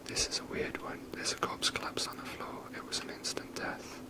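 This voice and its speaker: A person whispering softly and breathily in a casual, rambling ASMR commentary while playing a video game. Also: moderate pace.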